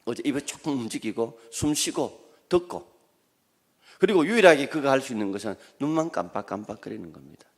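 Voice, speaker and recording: A man with a delivers a Sunday sermon in a slightly high voice that rises and falls sharply. He moves from quiet, hushed asides to loud, impassioned outbursts. His voice rings through a church sanctuary with a long reverb. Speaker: pastor.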